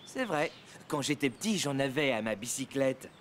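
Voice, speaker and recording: A man's voice: medium pitch, lively intonation, moderate pace, noisy background, close to an everyday voice. A man playing a kind, patient, encouraging father in a preschool cartoon. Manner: patient, encouraging, explains gently.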